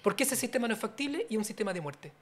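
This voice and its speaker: A middle-aged man from Chile who grew up in France, answering as a guest in a small studio. He talks earnestly and at length, circling back with fillers and restarts as he builds each point, close on a boom-arm studio mic. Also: very animated, racing, fairly bright tone. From Chile, raised in France. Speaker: guest, politician.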